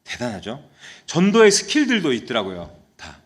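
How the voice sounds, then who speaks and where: A man's voice: medium pitch, huge pitch swings, moderate pace. A man, a senior pastor, preaching a sermon in a church service, telling a story and often putting questions to the congregation. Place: church sanctuary during a live service.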